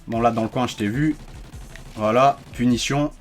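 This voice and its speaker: A man giving joking, animated commentary while playing a shooter, ranting when things go wrong. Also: mid-range voice, faint music behind. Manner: animated, joking, quick to rant when frustrated. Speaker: gaming YouTuber. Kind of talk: live gameplay commentary.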